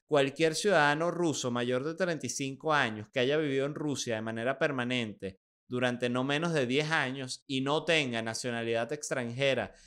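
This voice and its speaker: A man's voice: mid-range voice, fairly bright tone, clean tone. A young man with a Venezuelan accent hosting a podcast, chatting casually with joking, sarcastic asides. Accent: Venezuelan Spanish. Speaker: podcast host. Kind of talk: casual commentary.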